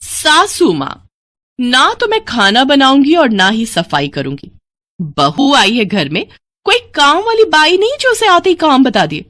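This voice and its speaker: A woman's voice: sits high, huge pitch swings, a little slow, a bit bright, no echo, studio quality, voice pushed up, full character voice. A woman voicing a haughty, defiant young modern bride in a Hindi cartoon drama, with an insolent, sassy manner.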